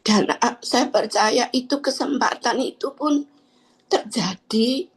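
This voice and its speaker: A woman's voice: fairly high pitch, slow pace, slightly rough, low-quality recording. A woman giving a personal faith testimony in church, speaking in hesitant, trailing phrases with frequent fillers.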